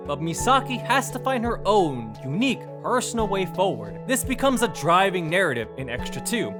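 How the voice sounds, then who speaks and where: A man reading a scripted video game review as narration, with an emphatic, dramatic delivery. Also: high-pitched. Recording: voice-over with music behind.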